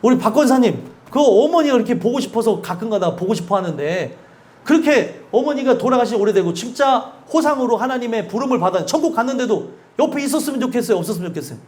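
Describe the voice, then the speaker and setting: A man preaches a sermon in an unusually high voice for a man, his pitch rising and falling widely. He talks to the congregation directly and keeps putting questions to them. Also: expressive, quick pace. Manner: emphatic and conversational, often asking the congregation questions; acts out quoted speakers with sudden drops in pitch and loudness. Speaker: pastor.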